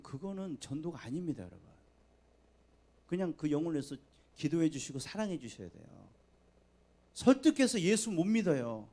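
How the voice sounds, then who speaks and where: High, very animated preaching man. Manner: swings between soft low asides and loud emphatic appeals to the congregation. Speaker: pastor. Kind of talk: sermon. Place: church sanctuary.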